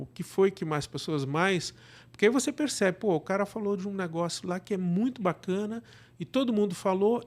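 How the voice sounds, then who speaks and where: A middle-aged Brazilian man speaking casually as an interview guest, illustrating his points with imagined remarks in an animated conversational way. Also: a little high. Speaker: guest, director and cultural producer.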